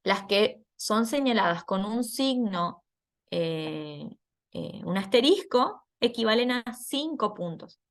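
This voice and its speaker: Slow and medium-pitched, with lively intonation, a female teacher takes her online students step by step through a scoring worksheet. She stays patient and laughs at herself from time to time.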